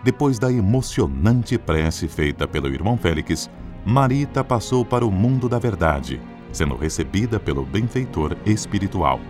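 Low-voiced Brazilian radio drama announcer, man. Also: expressive, normal speed. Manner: dramatic, declamatory. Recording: music behind the voice.

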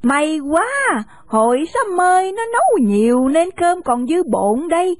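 A woman's voice: high-pitched, big pitch swings, a little slow, a little mellow, dry recording, clean studio sound, pitched above the performer's own voice. A woman voicing an old village shopkeeper woman who scolds but is kind. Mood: gruff, kindly.

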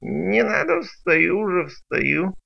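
A man voicing a cowardly, battered male mutant who moans his pleas slowly and drawn out. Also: high voice, big pitch swings, vocal fry, voice pushed up, full character voice. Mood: pleading. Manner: slow, drawn-out, moaning pleas. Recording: dull lo-fi recording.

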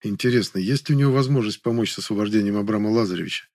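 A man narrating a first-person audiobook in a calm, even reading manner. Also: fairly low pitch, racing, no echo, clean studio sound.

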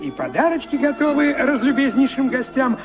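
Excitable high-voiced storyteller. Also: male voice, moderate pace, heavily acted. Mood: playful, festive. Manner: sing-song, expressive, playful delivery. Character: excitable, playful male folk-tale storyteller. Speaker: actor narrating a verse fairy tale in a duo. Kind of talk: theatrical rhymed folk-tale narration, radio play. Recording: studio radio play with prominent music behind. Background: music.

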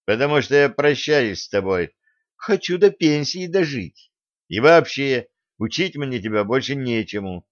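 A man voicing a gruff, angry middle-aged fencing coach who scolds and shouts. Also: medium pitch, animated, a little slow, dry recording, dull audio, close to an everyday voice.

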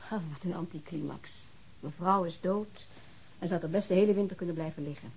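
A dry, disappointed woman in a radio drama. Her voice is husky and a little low, and she talks fast. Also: a little mellow, rough recording. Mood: dry disappointment.

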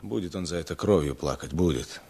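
An actor playing a hard, brooding young peasant husband in a radio play, blunt and threatening in manner. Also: male voice, low voice, brisk, heavy background noise. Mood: vengeful.

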